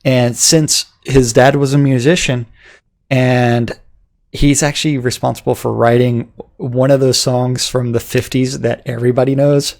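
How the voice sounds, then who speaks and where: A man's voice: medium pitch, little pitch movement, unhurried, gravelly, a little mellow. A man co-hosting a casual live show, rambling through a community calendar and sponsor reads with stammered restarts and frequent laughter. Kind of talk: casual livestream chat.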